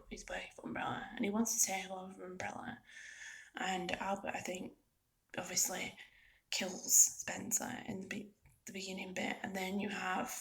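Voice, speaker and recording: Soft, low-pitched woman, creaky half-whisper. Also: poor audio. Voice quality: soft, breathy, often dropping into near-whisper. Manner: rambling, halting, informal. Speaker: video game vlogger. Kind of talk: soft-spoken ASMR ramble, casual.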